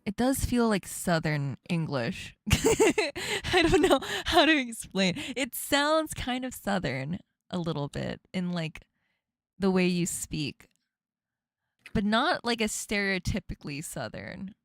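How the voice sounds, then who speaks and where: Giggly woman host with an Asian American accent. Playful, very lively delivery, dry close sound. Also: medium pitch, slow pace, dry recording. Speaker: streamer host. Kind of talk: casual chat with guests.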